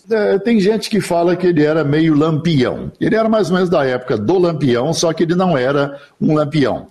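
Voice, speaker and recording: An older man from the interior of São Paulo, a radio announcer telling his life story in a relaxed, chatty interview over a remote link. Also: on the high side, slightly rough. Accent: Brazilian Portuguese, São Paulo interior. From interior of São Paulo state, Brazil. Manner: chatty, laughs easily, rambling anecdotes. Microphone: remote online recording.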